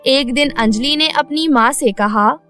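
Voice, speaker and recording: A woman's voice: sits high, unhurried, fairly bright tone, soft background music. A woman narrating a scripted bedtime cartoon story as its storyteller.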